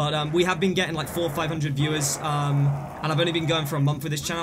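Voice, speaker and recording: Over music in the background and audible room echo, a man talks in a fairly high pitch. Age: 20s. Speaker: gaming live streamer. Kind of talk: live gaming stream chat. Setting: live stream with co-op partner. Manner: animated.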